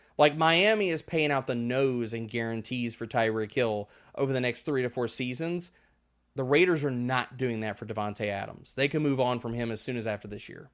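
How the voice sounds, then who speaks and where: This man talks at a fairly quick pace in a medium pitch. His pitch varies in an ordinary way. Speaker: fantasy football analyst. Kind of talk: casual chat; self-promotion. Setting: remote podcast recording. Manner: loud; animated.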